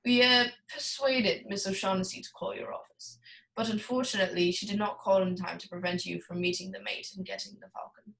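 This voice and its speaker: A woman's voice: mid-range voice, steady tone, a little fast, vocal fry, a bit bright, low-quality recording. A woman playing a genteel, scheming male crime boss with pompous, formal, theatrical speech in a noir radio play. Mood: measured, explanatory.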